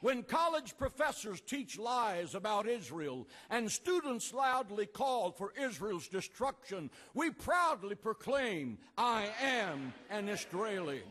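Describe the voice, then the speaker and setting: Older man, pastor-orator, high lively pitch, slow deliberate delivery, long reverb of an outdoor rally. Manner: slow, emphatic, repeated refrains, rising to shouts. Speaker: pastor giving a speech. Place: outdoor rally at an ancient port.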